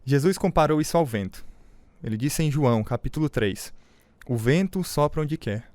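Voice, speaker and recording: An actor playing a calm, assured Christian adviser with a Brazilian accent in a radio drama. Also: male voice, on the high side, moderate pace, dry recording, close to an everyday voice.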